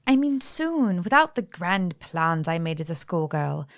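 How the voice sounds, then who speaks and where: Lady playing a soft young fiancée, talks slow, dry close recording. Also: fairly low pitch, very animated, no room sound. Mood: tender. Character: young woman, loving, fragile fiancée. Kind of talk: radio play acting.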